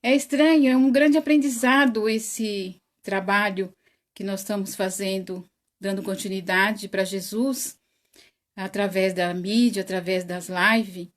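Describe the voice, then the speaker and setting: A woman with a Brazilian Portuguese accent leads an online spiritist study livestream at a slightly slow pace, her medium-pitched voice steady in tone. Casual and chatty, she greets viewers one by one by name, laughs often, and claims her voice is very loud.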